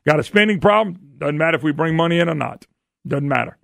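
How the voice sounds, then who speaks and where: A man's voice: a little high, lively intonation, quick pace, creaky, fairly bright tone, no echo, studio quality. A man hosting a political call-in radio show, folksy and emphatic, firing off rhetorical questions. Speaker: radio talk show host. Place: radio studio.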